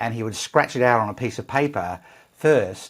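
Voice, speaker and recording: At a moderate pace, a man with an Australian accent speaks at medium pitch with ordinary pitch variation. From Western Australia, rural country towns. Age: 60s. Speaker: business consultant. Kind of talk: interview.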